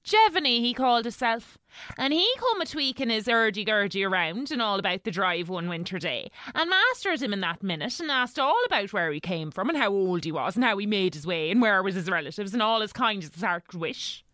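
A woman's voice: mid-range voice, very animated, a little fast, bright, forceful tone, no echo, studio quality. A woman playing a kindly, fussing housekeeper in an audio drama, chatty and colloquial, with a rural English accent. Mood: wistful, gossipy. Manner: chatty, colloquial servant's storytelling.

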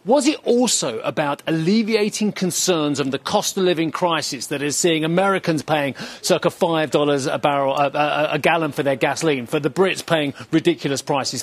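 A man reporting live as an energy correspondent, explaining with rhetorical questions in a brisk way. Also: a little high.

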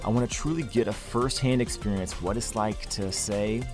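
A man in his thirties hosting a podcast, delivering a punchy, energetic scripted intro. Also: fairly low pitch, normal speed, over music. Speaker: podcast host. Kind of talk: scripted intro then casual interview.

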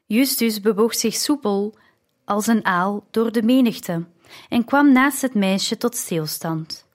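A woman narrating a story in the first person, with a slow, measured reading. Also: mid-range voice. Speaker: audiobook narrator.

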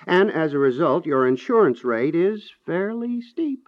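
An actor in a 1950s radio comedy playing a measured property adviser who delivers bad news with deliberate, hesitant understatement. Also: male voice, a little high, very animated, no echo. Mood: dry, matter-of-fact. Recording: dull 1950s radio recording.

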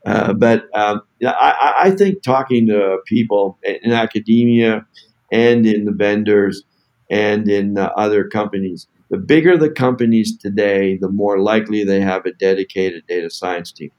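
A low-pitched man who founded a tech company, talking casually as a podcast guest. He stops and restarts often, filling gaps with "uh" and "you know". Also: darkish tone, highs cut off. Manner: halting, many fillers and restarts. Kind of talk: casual podcast interview answers.

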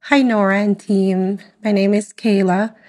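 Slow-speaking woman leaving a voice memo. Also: mid-range voice, steady tone. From Albania. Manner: unhurried, with many fillers and soft laughs. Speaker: listener sending a voice message. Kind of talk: casual recorded voice memo.

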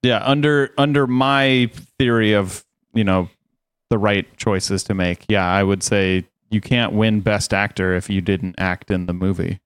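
Lowish guy, dry close sound, wry short comments. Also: fairly even intonation, a little slow, clear, resonant tone, dry recording. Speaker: podcast panelist. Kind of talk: casual tech news chat.

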